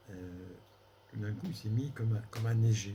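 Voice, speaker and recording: Ordinary pitch variation in a man's somewhat breathy speech. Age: 70s. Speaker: author and researcher interviewed about UFOs. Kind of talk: interview storytelling. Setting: recorded at a priory. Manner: halting, many hesitations.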